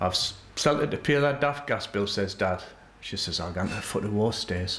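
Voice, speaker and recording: A man talks with a Geordie accent. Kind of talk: comic dialect monologue.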